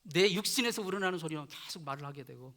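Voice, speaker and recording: A male pastor delivers an earnest sermon, his voice sitting high and sounding bright and forward. He swells on key words, then lets each phrase sink quietly at its end. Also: expressive, fast. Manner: earnest preaching, voice dropping soft at phrase ends. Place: church chapel.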